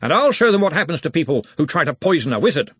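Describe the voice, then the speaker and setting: A man's voice: fairly high pitch, big pitch swings, fast, slightly rough, dry recording, pitched above the performer's own voice. A man voicing a commanding, grandiloquent head of a wizard university in an audiobook, speaking in pompous, emphatic sentences. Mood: confident. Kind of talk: audiobook character voice.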